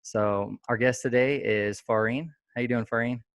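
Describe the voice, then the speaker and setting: A man's voice: medium pitch, fairly even intonation, moderate pace, dry recording, clean studio sound. A man hosting a casual interview podcast, rambling with lots of fillers and restarts. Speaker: podcast host.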